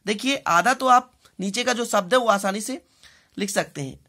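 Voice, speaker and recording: A woman with an Indian accent teaching English in a bilingual lesson, deliberately repeating phrases, spelling out words and checking in often. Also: mid-range voice, pushed and bright.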